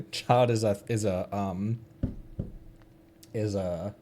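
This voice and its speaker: A man streaming a game, chatting casually in a giggly, rambling, animated way. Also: on the low side, very slow, a little hiss or hum. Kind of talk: casual chat while playing a game.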